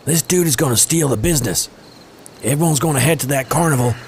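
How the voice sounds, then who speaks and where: A man's voice: on the high side, fast, a little mellow, a little hiss or hum, natural voice. A man playing a sardonic, foul-mouthed slacker hustler with a casual, slangy, wisecracking manner in an audio drama. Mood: scheming.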